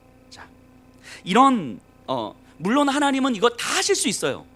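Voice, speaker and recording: With music in the background, a man's voice swings very widely in pitch. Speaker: pastor. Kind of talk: sermon. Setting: church. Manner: fast.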